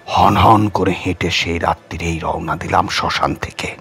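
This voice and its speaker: A man with a low voice narrates a scripted horror tale. His delivery is dramatic audiobook storytelling, set over faint background music. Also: steady tone, moderate pace, gravelly, a bit bright, breathy edge.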